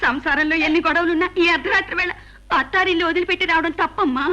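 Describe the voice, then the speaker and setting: A woman's voice: extremely high pitch, racing, sharp tone. An actress playing a worried middle-aged mother who coaxes her crying daughter and comforts her husband in a dubbed film. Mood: anxious. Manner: anxious, pleading, consoling. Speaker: mother and wife.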